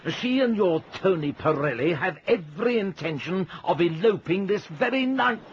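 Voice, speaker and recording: A man's voice: high-pitched, lively intonation, moderate pace, slight background noise. A man playing an indignant, pompous older father who blusters in a radio drama, slightly muffled recording.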